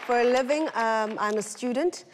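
A woman's voice: on the high side, normal speed, over a noisy crowd. A woman in her twenties, a game show contestant, eagerly describing herself and listing her strengths with confidence. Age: 20s. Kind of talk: answering host's questions. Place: TV studio game show set. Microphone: podium mic. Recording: studio audience and noise behind.

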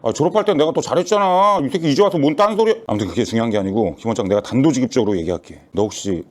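A man's voice: medium pitch, rapid-fire, voice pushed down, natural voice. A man playing a swearing, ranting family doctor. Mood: confiding. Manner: swearing, sarcastic rant in mock medical jargon. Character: exasperated male family doctor ranting on phone. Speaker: comedian. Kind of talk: one-sided phone call comedy sketch.

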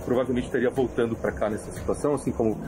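A middle-aged man from São Paulo, filming himself on a phone and speaking haltingly, with frequent filler pauses. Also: medium pitch, steady tone, noisy background. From Brazil, São Paulo. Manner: hesitant, many filler pauses. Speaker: volunteer driver interviewed. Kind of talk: self-recorded video testimony. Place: indoors at home, in a car and by a roadside. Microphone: phone camera at arm's length. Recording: music bed under the voice.

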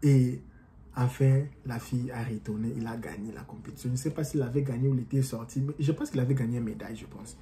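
A young man with an accent, talking to camera in an animated, rambling motivational vlog from a small room at home. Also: mid-range voice, fast, a little hiss or hum. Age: young adult. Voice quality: non-native-sounding French accent, by his own account. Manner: animated, gesturing, rambling with restarts. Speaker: motivational vlogger. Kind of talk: casual motivational talk to camera.

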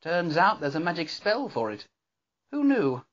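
Cartoon male pony scientist, played by a voice performer: eccentric, exclamatory, genteel, very animated pitch, somewhat muffled sound. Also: unhurried. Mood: earnest, musing. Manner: theatrical, exclamatory, wordy and genteel. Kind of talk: character voice reel, theatrical cartoon acting.

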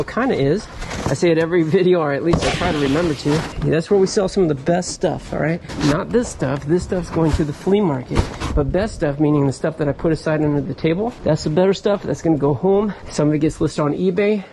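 An upbeat, chatty man talks to viewers while digging through boxes outdoors, bursting into excited exclamations at his finds. His voice sits a little high for a man. Clear outdoor noise and the hum of passing vehicles run behind him. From California, USA. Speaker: storage locker reseller vlogger. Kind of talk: casual chat to camera while sorting boxes. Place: outdoors at a storage unit row. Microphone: head-mounted camera.

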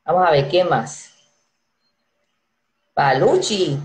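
A Dominican woman with a fairly low, Dominican-accented voice, chatting on a live stream and reading out viewers' comments. She talks into an earphone mic in a small room with an echo. Her talk is easy and friendly, and she laughs often. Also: animated, slow. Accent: Dominican Spanish. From Dominican Republic. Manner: chatty, friendly, reads names aloud and laughs easily. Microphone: earphone headset mic. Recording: echoey room.

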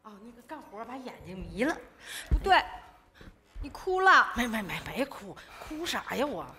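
An actress playing a meek, easily wounded eldest daughter who speaks softly. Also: female voice, fairly high pitch, big pitch swings, moderate pace, a little hiss or hum. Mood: evasive. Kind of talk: sitcom acting before a live audience. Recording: music and audience laughter behind.

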